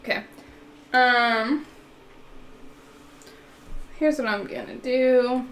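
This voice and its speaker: A woman with a put-on Southern US drawl and a slightly high voice, joking and cursing as she plays her turn in a tabletop game. She sounds blunt and playful. The room is echoey, with a little background hiss. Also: drawn-out words, a bit bright. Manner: playful, blunt, swears and jokes. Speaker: player. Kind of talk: casual tabletop play. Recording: echoey room with faint noise.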